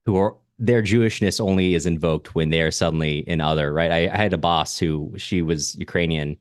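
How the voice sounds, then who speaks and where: A man with a low-pitched voice co-hosts a literary podcast. He talks in a loose, informal, rambling style. The sound is dry, with very little room echo. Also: fairly quick. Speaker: podcast co-host. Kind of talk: casual literary discussion.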